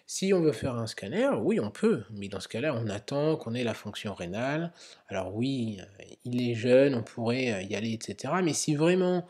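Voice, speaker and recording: A man's voice: medium pitch, very animated, moderate pace, darkish tone, breathy edge. A man, a medical educator, talking through an emergency-medicine quiz in an explanatory way, with many fillers. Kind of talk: narrated quiz lesson.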